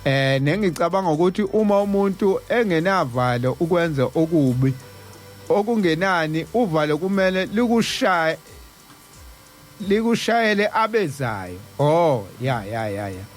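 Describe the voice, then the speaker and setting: A man's voice: a little high, lively intonation, normal speed, faint music behind. A South African man hosting a talk show in a casual, conversational way. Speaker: radio host.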